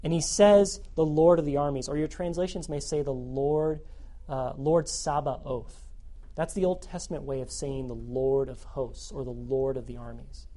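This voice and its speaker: A man preaching a sermon to students as their youth pastor, animated and repeating phrases for emphasis. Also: medium pitch, moderate pace.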